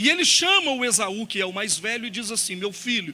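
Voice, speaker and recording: A man speaks in a raised, projected voice over noticeable background noise. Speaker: pastor. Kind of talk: sermon. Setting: church. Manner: animated.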